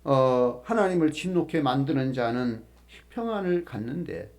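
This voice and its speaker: A middle-aged male pastor giving a sermon, explaining the text patiently with many pauses and fillers. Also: mid-range voice, expressive, darkish tone.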